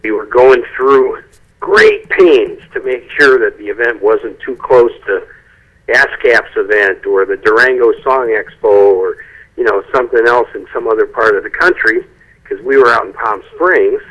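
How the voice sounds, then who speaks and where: Over a breaking-up phone line, a man appears as a guest songwriter in a phone-in interview chat, rambling somewhat and starting sentences over. He speaks on speakerphone at a moderate pace in a medium-pitched, slightly bright voice.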